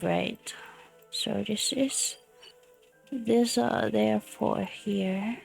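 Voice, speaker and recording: Husky Filipino woman with a cold. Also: mid-range voice. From Philippines. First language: Tagalog. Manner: giggly, blunt, switches between English and Tagalog. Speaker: game streamer. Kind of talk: casual gameplay commentary. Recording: game music under voice.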